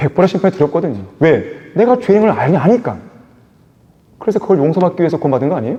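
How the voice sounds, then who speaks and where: At a very fast pace, a man speaks in a high voice with lively intonation. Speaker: pastor. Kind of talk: sermon.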